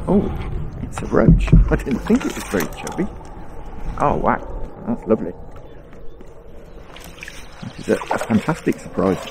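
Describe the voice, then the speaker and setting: This middle-aged Englishman speaks on the low side at a moderate pace, with vocal fry and frequent pauses. He's an angling vlogger offering relaxed, chatty commentary to himself while fishing on a riverbank, chuckling often, amid faintly noisy outdoor ambience.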